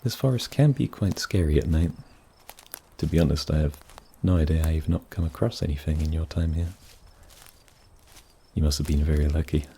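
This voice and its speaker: Male performer as gentle wary forest mage, fantasy audio roleplay, soft-spoken, deep, mellow dark tone. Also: normal speed, pauses often, a little hiss or hum. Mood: welcoming, protective.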